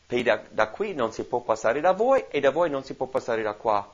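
A man voicing the calm elderly patriarch Abraham, speaking low and firm. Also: moderate pace. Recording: dull lo-fi recording.

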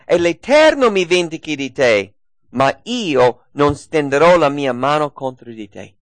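A man's voice: a little high, sing-song, a little slow, no echo. A man voicing the young David, pleading with his king in an earnest, urgent, raised voice.

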